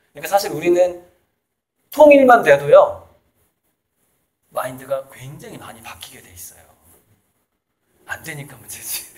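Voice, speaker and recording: A man from South Jeolla talking in a casual, emphatic way as an interviewee, making his points with laughs in between. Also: fairly high pitch. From South Jeolla, Korea. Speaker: artist and author, interviewee. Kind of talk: casual conversational lecture.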